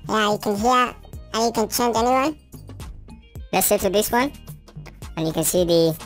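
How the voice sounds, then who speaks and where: Man through a voice changer as a high artificial helium voice. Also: normal speed, a bit bright, faint music behind. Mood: demonstrating. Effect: pitch-raising voice changer. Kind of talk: software tutorial demonstration.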